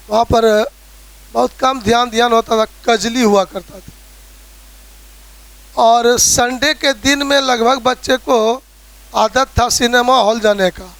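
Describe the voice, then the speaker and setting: Man, very high-pitched voice, Bihari accent, physics teacher, classroom lecture, explains with everyday examples, checks in with students. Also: fairly bright tone. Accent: Bihari Hindi. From Bihar, India.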